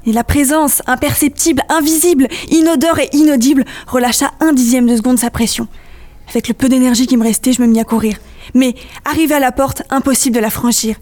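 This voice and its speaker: A woman reading aloud her own eerie first-person story, with measured storytelling. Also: sits high, fairly even intonation, darkish tone.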